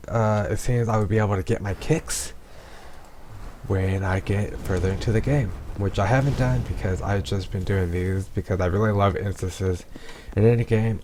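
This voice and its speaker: A man with a low, darkish voice rambles through casual let's-play commentary on his gameplay, full of ums and restarts, while he's losing his voice. There's a little hiss or hum in the recording.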